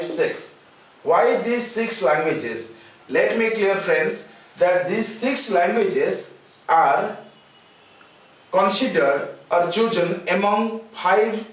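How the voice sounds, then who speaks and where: A man with an Indian English accent lectures slowly and deliberately in a fairly high voice. He spells out letters and repeats key words. The sound is very echoey and comes from some distance off the mic. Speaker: teacher. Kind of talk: classroom lecture. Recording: very echoey room, mic far off.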